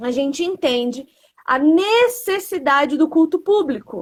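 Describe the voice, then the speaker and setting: A woman with a Rio de Janeiro accent and very wide pitch swings. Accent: Carioca Brazilian Portuguese. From Rio de Janeiro, Brazil. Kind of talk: casual conversation on faith. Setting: Instagram live stream.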